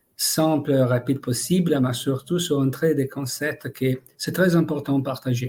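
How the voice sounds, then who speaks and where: Somewhat breathy, a man speaks at a fairly slow pace and a medium pitch. His intonation is fairly even. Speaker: cosmetics scientist, lab co-founder. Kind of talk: webinar presentation. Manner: halting, many hesitations.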